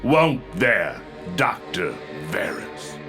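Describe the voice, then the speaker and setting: An actor playing a coldly mocking, menacing villain in a horror audio drama, with slow, deliberate, taunting delivery. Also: male voice, low voice, huge pitch swings, gravelly, heavily acted. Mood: quietly threatening. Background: music.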